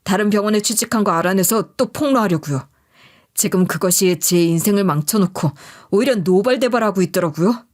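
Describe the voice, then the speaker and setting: A woman's voice: mid-range voice, fairly quick, lightly acted. A woman voicing a disgraced, vengeful office manager in an audio story, aggrieved, wordy and pleading. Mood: bitter.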